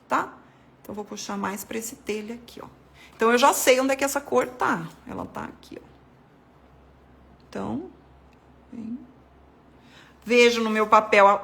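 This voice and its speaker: A woman's voice: medium pitch, vocal fry, a bit bright. A woman giving a casual, chatty watercolor painting tutorial, talking viewers through each step as she paints. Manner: chatty, addresses viewers as "gente", points things out while painting. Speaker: art devotional host.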